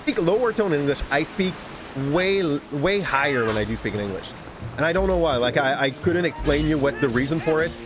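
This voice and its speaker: A gaming streamer from Quebec with a light Québécois French accent comments on his gameplay over game music and a noisy background. His voice is on the high side, animated and a little fast. He is chatty and rambling, often restarting words.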